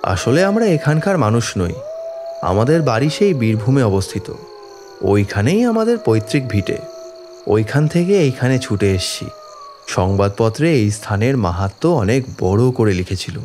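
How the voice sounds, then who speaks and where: A man's voice: lowish voice, darkish tone, a little hiss or hum. A man playing a distraught village father in an audio horror story, pleading tearfully and deferentially for his afflicted daughter. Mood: anguished, pleading. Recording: background music under the voice. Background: dramatic music.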